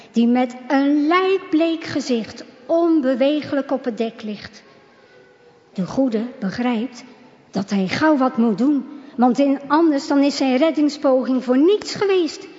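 A woman narrating a religious children's story, reading in a slow, measured way. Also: high-pitched, darkish tone. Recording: reverberant, dull lo-fi sound.

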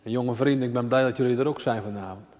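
A man preaching a sermon in a church, swinging between loud, drawn-out calls and quiet, confiding asides. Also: mid-range voice. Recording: dull lo-fi recording with long church reverb.

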